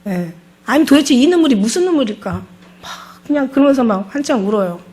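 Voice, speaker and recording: A woman's voice: high-pitched, expressive, fast, mellow. A middle-aged woman pastor giving an emotional testimony sermon, fervent and repeating her words as she speaks.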